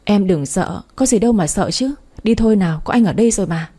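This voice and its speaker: A woman voicing a gentle young man who softly reassures his girlfriend in a storybook reading. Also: medium pitch, lively intonation, fast, husky.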